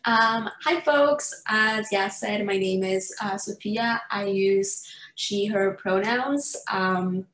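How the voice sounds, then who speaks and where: A woman's voice: medium pitch, slow pace, fairly bright tone, echoey room, low-quality recording. A woman from Ecuador speaking as a panelist on a video call, hesitant, with many fillers and restarts. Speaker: panelist, student organizer. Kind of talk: online panel talk.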